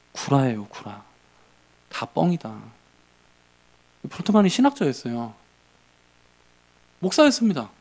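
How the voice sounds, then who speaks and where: A male pastor preaching a midweek church sermon, animated, acting out quotes and asking the congregation rhetorical questions. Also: fairly high pitch. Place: church service.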